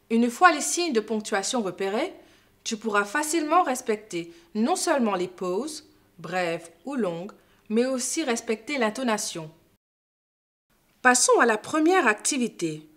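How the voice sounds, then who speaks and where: Woman teacher reading a lesson script, slow and careful, voice goes up and down a lot. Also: on the high side. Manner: slow, careful, didactic delivery. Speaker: French teacher.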